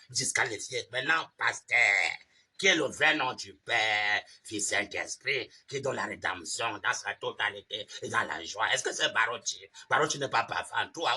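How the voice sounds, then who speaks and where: Shouting preacher man, far from the mic. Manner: shouts refrains, swings between loud cries and low mutters; repetitive, chanting phrases. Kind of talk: fiery sermon. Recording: voice heard from a distance from the mic.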